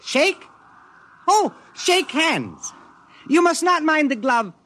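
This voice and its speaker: An actor playing an eerie, calm male stranger who speaks in a stiff, formal, oddly literal way, in an old radio drama. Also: very high voice, takes it slowly, heavily acted. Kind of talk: 1950s radio drama acting.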